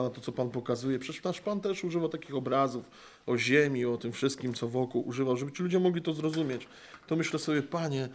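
A man preaching an earnest sermon, slowing down and softening when he quotes Christ, apparently speaking outdoors among trees. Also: medium pitch.

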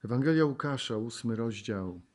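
A man preaching a sermon, reading Bible verses aloud and explaining them. He asks the congregation questions and often laughs, moving from loud exclamations to hushed tones. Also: mid-range voice, expressive, moderate pace.

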